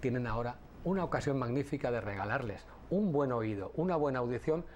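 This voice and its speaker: A middle-aged man from Catalonia, a guest audiologist on a TV talk show, explaining things in a measured way with some hesitant restarts. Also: medium pitch, expressive, darkish tone, a little hiss or hum. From Catalonia, Spain. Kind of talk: TV interview.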